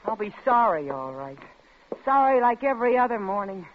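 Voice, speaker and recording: Actress as a bitter, nagging radio-drama wife. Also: female voice, medium pitch, big pitch swings, normal speed, narrow, tinny audio, lightly acted. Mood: angry, scornful. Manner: sarcastic, scolding. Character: bitter, nagging, money-hungry discontented wife. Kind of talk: 1940s-50s radio drama acting. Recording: noisy old radio drama recording.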